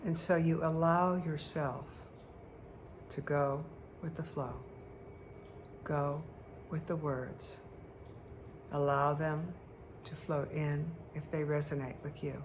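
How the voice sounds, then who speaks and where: A woman leading a guided meditation in a hypnotic, soothing manner, speaking deliberately with long pauses. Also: deep voice. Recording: clear steady background noise.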